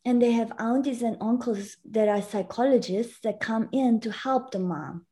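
A woman's voice: fairly high pitch, normal speed, mellow. A woman from Italy whose first language is German, a guest in an interview, talking earnestly and explaining things with frequent restarts. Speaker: guest educator. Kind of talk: conversational interview.

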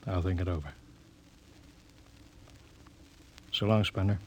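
An actor playing a grave, conscience-torn middle-aged spaceship captain in a 1950s radio drama, commanding and solemn in manner. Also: male voice, low voice, fairly even intonation, rapid-fire, close to an everyday voice. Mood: sombre. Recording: noisy old 1950s radio recording.

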